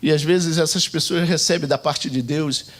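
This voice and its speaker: A Brazilian man preaching a Sunday sermon, telling stories and acting out shouts and prayers as he goes. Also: on the high side, normal speed. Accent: Brazilian Portuguese. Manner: animated storytelling, acting out shouts and quoted prayers. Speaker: pastor.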